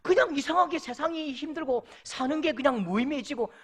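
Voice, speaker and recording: A man's voice: very high voice, brisk. Korean pastor guy w/ gyeongsang accent, sermon, voice bouncing all over, really into the story. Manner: animated, emotive storytelling preacher.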